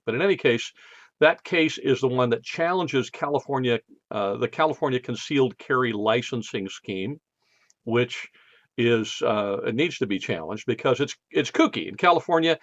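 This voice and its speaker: An American man from the United States hosts a podcast in a casual monologue, his mid-range voice slightly slurred because the left side of his face is numb from a dental visit. The audio is dull, with no echo.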